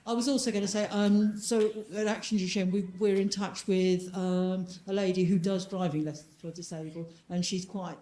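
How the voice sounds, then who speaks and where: Mellow woman in an echoey room. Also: mid-range voice, fairly even intonation, normal speed, hardly any pauses. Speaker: charity staff member.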